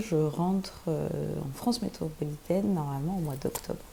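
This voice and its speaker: A woman's lively intonation against noticeable background noise. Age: 20s. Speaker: budgeting vlogger. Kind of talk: casual tutorial vlog. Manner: hesitant, many fillers.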